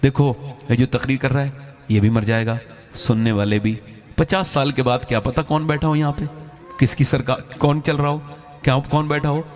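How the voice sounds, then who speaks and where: A middle-aged man preaching an emotional religious sermon to a gathering, telling stories passionately and rising to high cries. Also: fairly even intonation, moderate pace, faint music behind. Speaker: Islamic preacher. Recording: long hall reverb.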